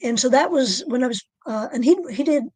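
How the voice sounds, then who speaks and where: A woman author with a low alto voice, speaking in a halting, soft-spoken way in a casual podcast interview. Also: husky, no echo. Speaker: author guest.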